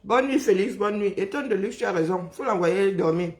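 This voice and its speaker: This woman talks to her stream viewers in a mid-range voice that sounds hoarse and drained, with a Cameroonian French accent. Gaps get filled with humming and lengthy sighs, while she chats, teases, and greets people one by one.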